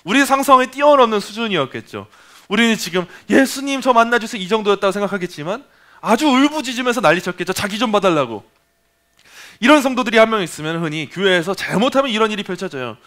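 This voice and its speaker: A man preaching a sermon at a Friday evening prayer meeting, emphatic and animated, acting out voices. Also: high-pitched, fast talker.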